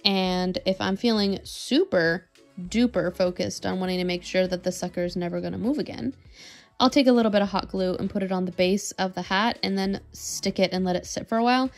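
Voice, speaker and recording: A young woman with a hoarse, croupy voice from illness, chatting casually and a bit self-deprecatingly while she demonstrates a knitting project step by step. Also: mid-range voice, fairly quick, soft background music. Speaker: knitting tutorial host. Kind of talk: casual step-by-step craft demo.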